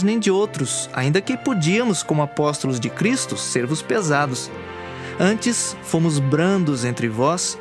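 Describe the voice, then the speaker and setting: A man with a Brazilian accent reading scripture from a script for an audio Bible, in an earnest, declamatory way. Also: on the high side. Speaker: scripture reader. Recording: music under the voice. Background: background music.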